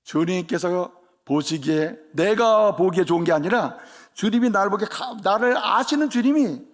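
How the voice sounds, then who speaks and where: A man preaching a sermon in a church, lively and conversational, often asking the congregation questions. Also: sits high, normal speed. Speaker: pastor. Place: church sanctuary.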